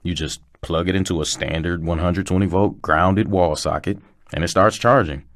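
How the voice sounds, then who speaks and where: A man's voice: low-pitched, steady tone, normal speed, fairly bright tone, dry recording, clean studio sound. A man voicing a knowledgeable, patient car technician in a conversational scripted explainer. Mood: explaining, assured. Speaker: voice actor in a promotional dialogue.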